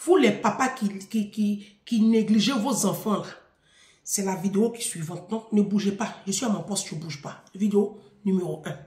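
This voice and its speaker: A woman with an Ivorian French accent delivering an animated, mocking monologue, lecturing and repeating phrases for emphasis. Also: medium pitch, moderate pace. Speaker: video creator addressing the diaspora. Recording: echoey room.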